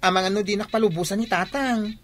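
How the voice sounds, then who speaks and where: A woman's voice: medium pitch, fast talker, lightly acted. A woman voicing a young, effeminate gay man, sassy and defensive, in an Ilocano radio drama. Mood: complaining.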